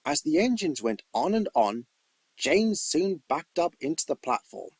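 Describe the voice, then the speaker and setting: A man's voice: fairly high pitch, sing-song, measured pace, darkish tone, breathy edge, no room sound. A man reading scripted storybook narration as an amateur narrator, with theatrical emphasis.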